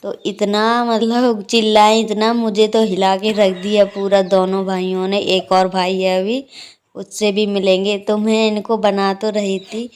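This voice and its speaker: A woman's voice: mid-range voice, flat delivery, a little slow, a little mellow, slight background noise. A young woman vlogging at home at night, chatting and laughing as she tells what the kids are doing. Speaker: family vlogger. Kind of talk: casual vlog narration. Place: dark room at home at night. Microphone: phone on a tripod.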